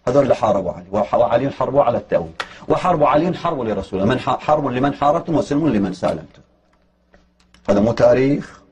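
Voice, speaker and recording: A man's voice: medium pitch, expressive, rapid-fire, darkish tone, husky, dull audio. A man giving a heated, argumentative religious lecture, pressing his points with emphatic challenges.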